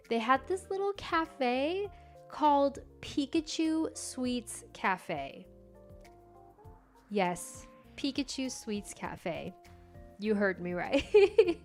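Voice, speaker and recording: A young woman whose first language is Farsi, chatting casually and giggling often as she hosts a stream. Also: a little high. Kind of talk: casual live-stream chat.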